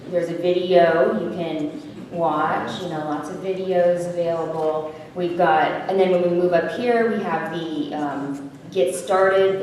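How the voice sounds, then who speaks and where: Brief: woman software presenter, casual, halting, lots of "um", slightly low voice, echoey room from a distance. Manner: casual, hesitant, many fillers and restarts. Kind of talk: conference presentation with audience questions. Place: conference room. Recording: echoey room, mic far off, faint noise.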